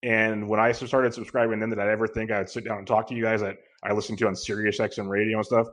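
A man in his thirties hosting a podcast, loud and carrying, talking earnestly and rambling with many restarts. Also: fairly low pitch, little pitch movement, fast talker. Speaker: podcast host. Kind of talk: casual podcast chat.

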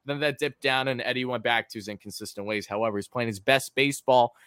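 A man's voice: mid-range voice, fast talker, fairly bright tone, smooth, no room sound. A man co-hosting a casual sports podcast, talking in a dry, wry, matter-of-fact way. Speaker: podcast co-host.

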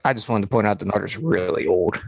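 A man's voice: fairly low pitch, fast talker, vocal fry, dry recording. A man in his late twenties co-hosting a sports podcast, dropping short, dry, teasing quips. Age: late 20s. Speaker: podcast co-host. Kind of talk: casual sports chat.

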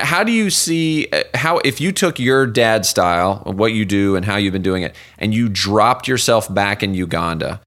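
A man's voice: fairly low pitch, a bit bright. A man hosting an interview, affirming his guest and asking long, winding questions. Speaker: interview host. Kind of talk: casual interview conversation.

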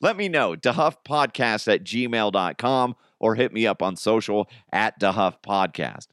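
A man's voice: lowish voice, expressive, a little slow, a bit bright, no room sound, clean studio sound. A middle-aged man hosting a podcast as a casual, jokey solo monologue with crude humor. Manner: jokey, crude, acts out imagined exchanges. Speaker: podcast host.

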